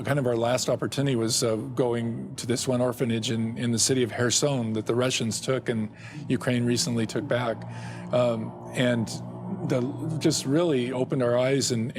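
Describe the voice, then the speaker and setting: A middle-aged man answering interview questions about his work and family, speaking haltingly with frequent restarts and soft chuckles. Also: mid-range voice. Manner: halting, many restarts and repeated words; chuckles often. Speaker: guest, ministry director.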